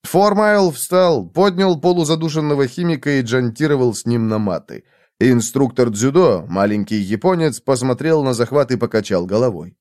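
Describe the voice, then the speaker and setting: Guy reading an audiobook, animated, higher voice, dry sound. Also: moderate pace, no room sound. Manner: lively, expressive reading. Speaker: narrator. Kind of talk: audiobook narration.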